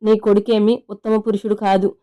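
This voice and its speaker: A woman's voice: mid-range voice, little pitch movement, normal speed, dark tone, close to an everyday voice. A woman voicing a fierce, protective young woman who answers with scorn, in a plain reading voice. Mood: defiant. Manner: scornful, then pleading.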